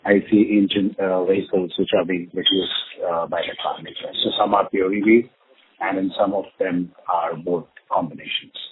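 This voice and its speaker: A man's voice: deep voice, steady tone, moderate pace. A man explaining details as a company executive on an earnings call. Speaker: company executive answering questions. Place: telephone conference call. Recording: narrowband phone line, faint noise.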